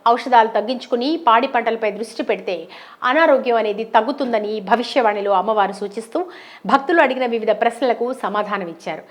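A woman with a fairly high voice narrates a news report. She reads from a script in the manner of a voice-over reporter. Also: brisk.

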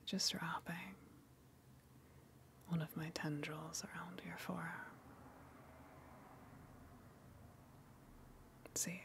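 A woman playing a gentle, lonely sea monster in an ASMR roleplay, coaxing softly in a breathy, soothing whisper. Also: lowish voice, little pitch movement, slight background noise, full character voice. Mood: tender, reassuring. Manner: slow, soothing, coaxing, long pauses.

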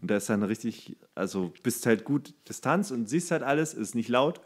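A man's voice: mid-range voice, expressive, normal speed. A man co-hosting a podcast, chatting loosely with slang and jokes. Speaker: podcast co-host. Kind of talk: casual chat. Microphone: studio microphone.

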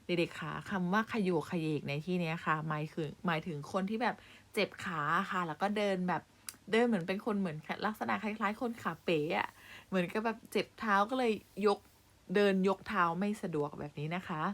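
This Thai primary teacher's voice is mid-range and a bit bright, moving a little fast. She reads a story aloud to her young pupils, patiently breaking off to explain words and addressing them directly with polite particles.

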